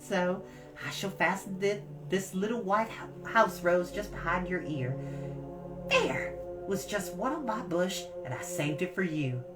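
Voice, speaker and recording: A woman voicing a bossy, admiring teenage girl in a storybook, brisk and chatty as she fusses. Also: mid-range voice, pitched above the performer's own voice, close to an everyday voice. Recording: distant mic with music behind.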